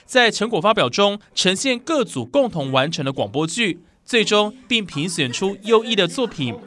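A woman's voice: medium pitch, very animated, normal speed, a bit bright. A woman with a Taiwanese Mandarin accent reading scripted news narration as a reporter.

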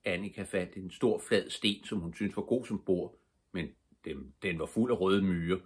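An older man reading a children's book aloud as a calm, steady bedtime story. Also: sits low, breathy edge. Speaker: storybook reader.

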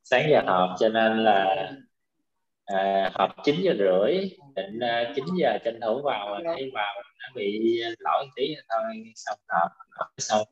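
A man's voice: on the low side, a little slow. A man casually explaining himself as a participant on a video call. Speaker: participant in an online class. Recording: muffled, echoey video-call audio.

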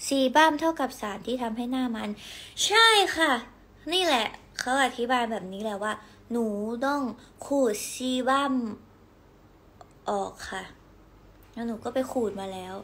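A young woman hosting a casual livestream from home, telling stories in a chatty, giggly, animated way. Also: fairly high pitch, a little slow. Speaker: idol livestream host.

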